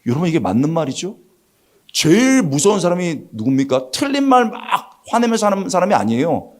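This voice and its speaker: A middle-aged man preaches in a church, telling the scripture like a story and slipping into the voices of its characters. His voice sits on the high side and swings widely in pitch. He keeps asking the congregation questions to draw them in. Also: big pitch swings, a little fast. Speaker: pastor. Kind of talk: lively sermon with acted-out quotes. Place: church sanctuary.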